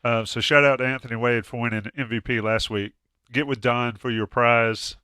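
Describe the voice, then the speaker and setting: A man's voice: mid-range voice, fairly even intonation, moderate pace, sharp tone, clean tone, no echo, studio quality. A man hosting a casual sports chat, stuffy from a cold, joking and restarting often. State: congested with a cold. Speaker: podcast host.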